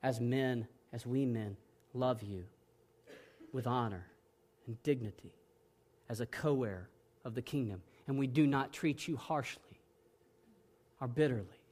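A man's voice: mid-range voice, measured pace. Earnest male pastor preaching. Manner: earnest, swings between hushed and emphatic. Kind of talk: sermon.

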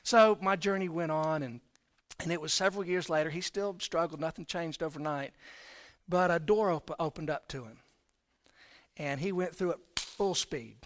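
A middle-aged man preaching a sermon, telling personal stories in a conversational way that swings from quiet to loud emphasis. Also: on the high side, normal speed. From Texas, raised in Florida.

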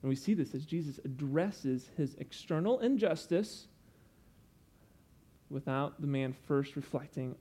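An earnest young man delivering a sermon, his voice sitting a little high for a man. He explains patiently, like a teacher walking a congregation through a lesson, with frequent asides. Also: dark tone. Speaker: preacher.

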